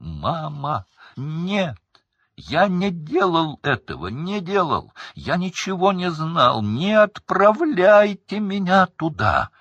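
A man's voice: sits low, sing-song, slow pace, bright, forceful tone, breathy edge, no room sound, lo-fi sound, exaggerated voice. A man voicing a desperate young male prisoner who cries out and begs to be spared. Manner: pleading, crying out, near shrieking.

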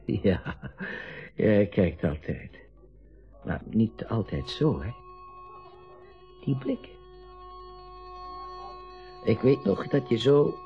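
A man's voice: fairly low pitch, big pitch swings, very slow, creaky, pauses often, muffled recording, full character voice. A man playing an aging, grumbling, worldly party guest in a naturalistic radio drama. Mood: musing, wry. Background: faint music.

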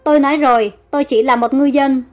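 A woman's voice: high-pitched, fairly even intonation, quick pace, a little mellow, faint music behind, natural voice. A woman voicing a young male fisherman who pleads in fear. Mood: pleading.

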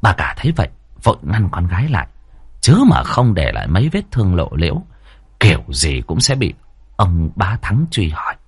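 A man narrating a horror story in a vivid, expressive storytelling manner. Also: low-pitched, moderate pace, breathy edge, no room sound.

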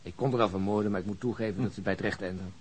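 An actor playing a world-weary deputy chief inspector in a radio drama, with a blunt, wry way of talking. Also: male voice, fairly low pitch, steady tone, racing, slight background noise, lightly acted. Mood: grudging, resolute. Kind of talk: naturalistic radio drama acting.

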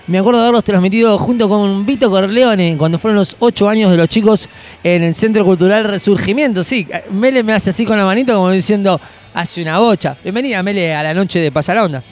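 A man's voice: high voice, fast talker. A man with an Argentine accent hosting a live music broadcast from a venue, chatting enthusiastically in a casual, slangy way. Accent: Argentine Spanish. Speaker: radio show host.

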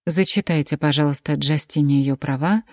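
A woman reading the lines of a methodical male police investigator in an audiobook, asking measured, businesslike questions. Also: sits low, no room sound, clean studio sound.

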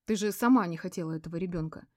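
A woman's voice: lowish voice, rapid-fire, a little mellow, no echo, natural voice. A woman reading an audiobook voices a hurt, bewildered man defending himself, in a subdued manner close to her own voice. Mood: hurt, defensive.

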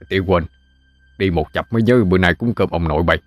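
A man's voice: low voice, normal speed, no room sound, soft background music, lightly acted. A man with a Southern Vietnamese accent voicing a weary middle-aged village barber father, wry and grumbling. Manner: wry, grumbling, turning frantic.

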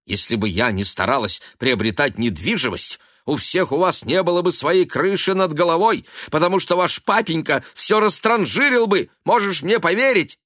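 A man's voice: medium pitch, animated, normal speed, dry recording, clean studio sound, pitched above the performer's own voice, lightly acted. A man voicing an aging, stubborn, self-pitying mother, in a raised, fussy, plaintive tone. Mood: indignant. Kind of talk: audiobook character voice.

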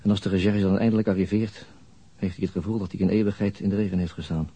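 A brooding man telling a radio crime story as inner monologue. His voice is very low and soft-edged, heavily husky and breathy. He sounds weary and haunted, lingering over short phrases. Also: fairly even intonation, dry recording. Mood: somber, bitter. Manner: slow, introspective, halting monologue. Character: brooding, weary male narrator haunted by a murder.

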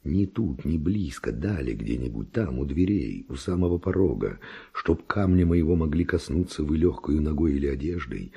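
Very deep, gravelly seducer nobleman. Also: expressive, moderate pace, few pauses, dark tone, full character voice. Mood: passionate pleading. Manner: theatrical, impassioned verse declamation. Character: ardent, reckless male nobleman seducer, pleading and daring. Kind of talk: classic Russian radio play verse acting.

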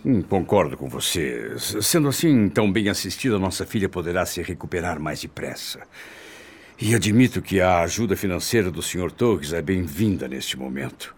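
An aging, penitent Brazilian husband in a radio soap opera. His voice is very low and husky, and he pleads with solemn, melodramatic earnestness, rising and falling expressively. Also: lively intonation, moderate pace. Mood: concerned, humble. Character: repentant, earnest aging husband, newly pious.

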